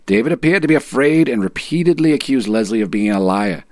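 A man's voice: mid-range voice, animated, fast, dry recording, lightly acted. A man acting out a stock movie cop with a thick mash-up of northeastern American accents. He delivers a police report in formal, procedural, matter-of-fact fashion. The recording is dry and close, with no room around it. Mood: official, matter-of-fact. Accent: exaggerated northeastern US. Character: clichéd gruff East Coast American movie cop reading a police report. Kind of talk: dramatic reading of a police report.

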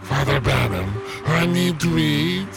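A man's voice: a little high, expressive, unhurried, creaky, over music, voice pushed up. A man voicing a hungry male demon with a whiny, desperate voice in an audio drama. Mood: pleading. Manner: desperate, pleading.

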